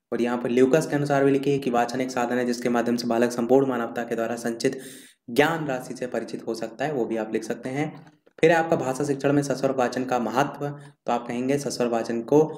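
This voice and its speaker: A man's voice: mid-range voice, darkish tone. Man teaching in an echoey room. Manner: reads out points in a list, repeats key terms. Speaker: exam-prep teacher. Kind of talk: online revision lecture. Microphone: screen recording while scrolling notes.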